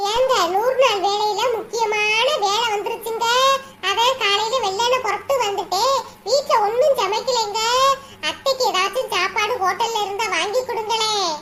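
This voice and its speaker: A woman does a cartoonish character voice at an extremely high pitch, with fairly even intonation. Her loudness stays very even and her pace is fairly slow. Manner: worried, fretful.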